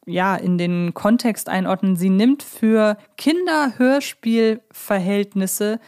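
A woman speaks as a podcast co-host at an average pitch. She talks in a casual, conversational way, as if discussing things with a partner and inviting their view. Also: slow, a little mellow. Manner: conversational, asks her co-host questions.

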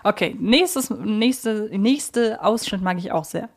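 Female podcast co-host, medium pitch, casual playful quiz chat between fans. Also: expressive, slow. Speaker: podcast co-host and radio play fan.

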